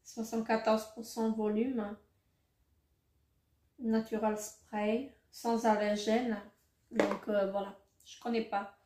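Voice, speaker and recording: Unboxing beauty products, this middle-aged vlogger speaks slowly with a fairly high, warm voice and a flat delivery. Her manner is loose and unsure, peppered with fillers and corrections of herself. The room echoes and there's a faint hiss.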